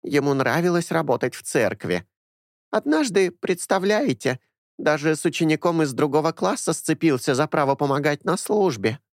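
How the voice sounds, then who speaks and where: A man's voice: a little high, expressive, moderate pace, dry recording, clean studio sound, voice pushed up. A man doing a chatty old woman. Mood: sorrowful. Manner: gushing, confiding, rambling. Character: chatty old woman in her sixties, doting former caretaker.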